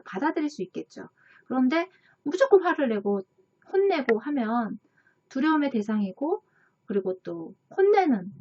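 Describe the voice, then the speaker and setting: A woman hosting a book channel, talking earnestly in a casual tone and sometimes acting out angry remarks. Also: a little high. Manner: earnest, acts out quoted angry lines. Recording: dull lo-fi recording.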